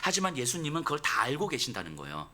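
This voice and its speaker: Animated, bright-voiced male pastor preaching. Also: medium pitch, fast talker, a little hiss or hum. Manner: expressive, acts out dialogue. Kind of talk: sermon.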